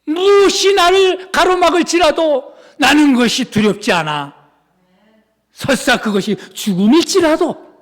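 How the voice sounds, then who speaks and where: A pastor from Seoul with a high-pitched voice delivers his sermon, climbing into fervent shouts and then sinking into soft, quiet asides. His voice rings through a church sanctuary with a long, lingering reverb. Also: animated, measured pace.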